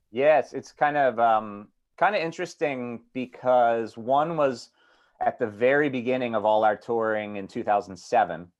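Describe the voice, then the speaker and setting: At a moderate pace, a plain, everyday voice with an American accent speaks with ordinary pitch variation. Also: man, medium pitch for a man. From Pennsylvania, Kennett Square. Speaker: musician. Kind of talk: casual chat.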